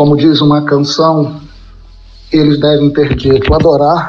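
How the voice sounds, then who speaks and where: A man speaks at a fairly high pitch while music plays behind him. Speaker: pastor. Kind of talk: sermon, radio devotional preaching with fervent appeals to listeners. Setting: radio studio. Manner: earnest and exhortative, addressing listeners as beloved, urgent, measured pulpit cadence.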